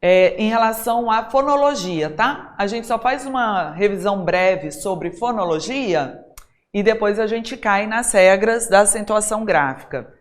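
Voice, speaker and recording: A woman's voice: mid-range voice, measured pace. A middle-aged Brazilian woman teaching an exam-prep language lesson, chatty, talking straight to her students and checking in with them often. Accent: Brazilian Portuguese. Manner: chatty, addresses students directly with frequent tag questions.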